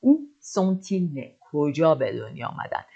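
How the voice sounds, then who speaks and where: A woman teaching an online French lesson, saying phrases slowly in French and then explaining them quickly in Persian. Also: low-pitched, lively intonation, gravelly, dark tone.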